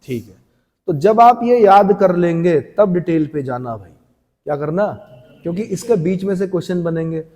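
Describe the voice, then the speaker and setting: A North Indian Hindi-accented man lecturing a coaching class in a fairly high voice. He drills each point again and again, slows right down to dictate English phrases, and his voice rings with long reverb around the room. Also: lively intonation, dark tone. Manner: repetitive, drills points, asks rhetorical checks. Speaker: coaching teacher.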